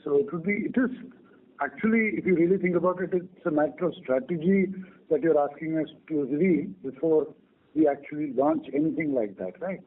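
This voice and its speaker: A man's voice: on the high side, big pitch swings, fairly quick, gravelly. A man with an Indian accent, a company executive explaining things on a business call over a tinny phone line.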